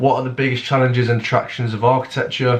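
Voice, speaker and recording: A man speaks with an English accent. His intonation is monotone and flat. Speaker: architecture student youtuber. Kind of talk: casual Q&A vlog. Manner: fast; loud.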